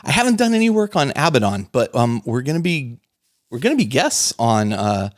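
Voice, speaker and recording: A man's voice: medium pitch, sing-song, normal speed, no echo, clean studio sound. A man co-hosting a casual hobby podcast, talking enthusiastically with frequent laughs and rambling restarts. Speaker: podcast co-host.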